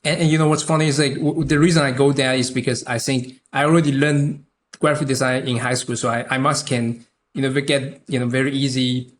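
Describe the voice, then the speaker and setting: A young man from Taiwan, a native Chinese speaker with a Taiwanese accent, chatting haltingly as a podcast guest with many restarts. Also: medium pitch, flat delivery, a little hiss or hum. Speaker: podcast guest, concept artist. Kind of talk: casual interview chat.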